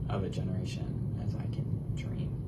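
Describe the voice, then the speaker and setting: A man's voice amid loud background noise. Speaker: young preacher. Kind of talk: sermon. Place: meeting room. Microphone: camera far.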